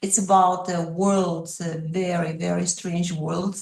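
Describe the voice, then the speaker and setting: A woman's fairly low voice with a Russian accent, fairly slow and fairly even in intonation, with audible room echo. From Russia (Soviet Union, Komi family, Kola Peninsula). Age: 60s. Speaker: artist. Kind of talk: interview.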